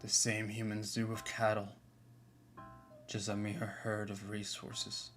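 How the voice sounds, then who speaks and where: A man slowly reading a dark horror fan story aloud, measured and steady. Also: on the low side. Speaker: streamer and artist. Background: guitar music.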